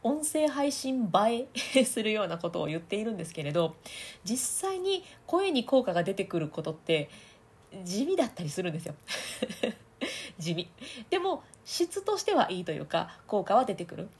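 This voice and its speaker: A woman's voice: medium pitch, big pitch swings, normal speed, a little mellow, slightly rough. A woman, a voice trainer hosting a chatty podcast, laughing often and trying out voice placements as she explains them. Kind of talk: casual audio podcast talk.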